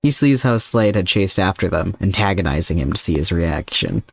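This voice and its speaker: Man, low voice, scripted story narration, fiction reader, dry sound. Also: animated, moderate pace, gravelly, no room sound. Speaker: fan fiction podfic narrator.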